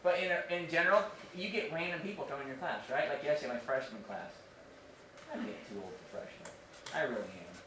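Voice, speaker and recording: A man teaching a high school math class in a casual, chatty way, often checking in with "right?". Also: fast talker, noisy background. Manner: chatty, animated, keeps asking "right?". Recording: distant echoey classroom recording.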